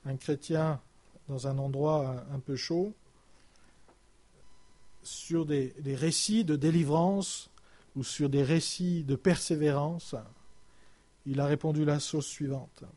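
A man delivers a sermon as a story, his voice sitting a little higher than most men's. He speaks haltingly, restarting words and pausing on fillers. His sentences often sink low and soft as they end. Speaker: preacher.

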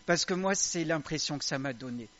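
A man's voice: on the high side, brisk, fairly bright tone. Chatty preacher man, muffled recording. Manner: conversational, confiding, addresses the congregation directly. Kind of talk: informal church sermon.

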